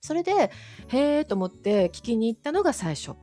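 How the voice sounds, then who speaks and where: A woman's voice: a little high, sing-song, moderate pace, warm tone, faint music behind. A woman chatting casually and animatedly as an interview guest, often repeating her agreement. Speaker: interview guest, audio channel creator.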